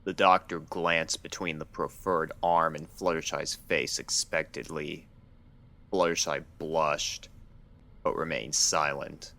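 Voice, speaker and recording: A man's voice: rumbling low, level tone, slow, gravelly, sharp tone. A man reading fan fiction aloud as a scripted story narrator.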